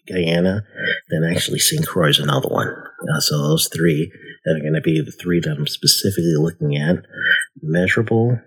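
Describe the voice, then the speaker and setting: Man, forties, low and husky, easygoing rambling podcast host. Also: low-quality recording. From United States. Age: 40s. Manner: rambling, friendly, many fillers. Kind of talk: casual solo podcast talk.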